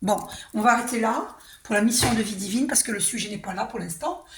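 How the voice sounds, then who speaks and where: Woman card reader, hoarse and throaty, fairly high voice, chatty and reassuring; faint kitchen clatter behind. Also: animated, fast talker, fairly bright tone, slight background noise. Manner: chatty, reassuring, tag questions like hein and d'accord. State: hoarse, clearing throat and coughing. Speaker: tarot and oracle card reader. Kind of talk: casual spiritual card reading to camera.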